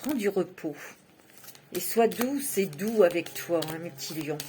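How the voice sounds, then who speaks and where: A woman's voice: fairly low pitch, lively intonation, measured pace, noisy background. Chatty woman reading tarot cards. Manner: chatty, laughs often, many fillers like "hein". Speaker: tarot reader. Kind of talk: casual monthly tarot reading.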